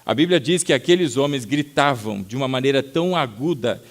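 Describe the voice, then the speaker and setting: A man with a Brazilian Portuguese accent preaching a sermon as pastor, telling stories with sudden loud acted-out outbursts and calling his listeners brother. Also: mid-range voice, expressive, fairly quick. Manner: addresses the congregation as brother.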